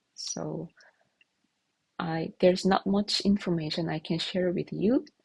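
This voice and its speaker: Speaking at a fairly slow pace, a woman talks with a Korean accent. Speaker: software developer vlogger. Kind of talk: casual devlog talk to camera. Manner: halting, with fillers and restarts.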